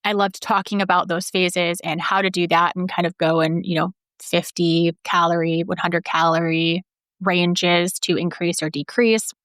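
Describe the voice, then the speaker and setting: Woman host, lowish slightly raspy voice, loose rambling delivery, dry close recording. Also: level tone, moderate pace, a bit bright, no room sound. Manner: chatty, rambling, swears freely. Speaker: podcast host and personal trainer. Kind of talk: casual solo podcast talk.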